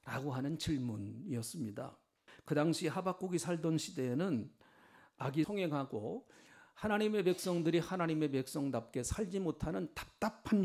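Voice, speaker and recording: A man's voice: a little high, vocal fry, a little mellow. A middle-aged male pastor giving a sermon in a conversational way, acting out questions to God and playing with regional dialects. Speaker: senior pastor.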